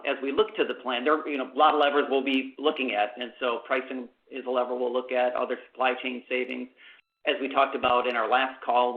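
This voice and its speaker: A man answering questions as a company executive on an earnings call, in a conversational business style. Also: mid-range voice. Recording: phone-like conference call line.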